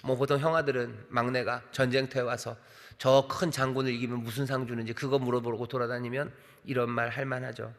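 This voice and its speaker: A male pastor preaching a sermon with lively delivery, acting out the quoted lines. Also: mid-range voice, fairly quick. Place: large church sanctuary. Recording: church sanctuary with long reverb.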